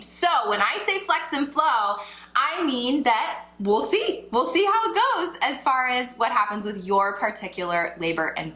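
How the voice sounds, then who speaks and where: A woman's voice: fairly high pitch, sharp tone. A woman in her thirties who grew up in Ecuador, a birth coach explaining her motto in a chatty, upbeat vlog. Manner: chatty and upbeat, many likes and slashes. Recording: echoey room.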